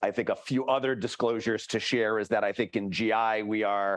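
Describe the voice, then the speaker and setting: This man's pitch is fairly low. He talks at a fairly quick pace. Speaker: physician. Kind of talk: lecture. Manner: fast; halting.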